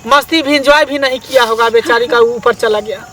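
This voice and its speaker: A man's voice: very high voice, a little fast. A man playing a lecherous, bullying village policeman in a comedy sketch, speaking in a coaxing, leering, bossy way. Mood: scheming. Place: outdoors, lonely rural spot. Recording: distant outdoor mic, loud insect noise. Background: loud crickets and insects.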